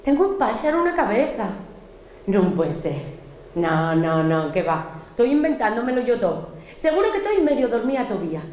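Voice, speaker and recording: A woman with an Asturian accent performing a theatrical storytelling monologue, speaking as a lively, mock-dreamy little girl. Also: on the high side, moderate pace, echoey room, a little hiss or hum.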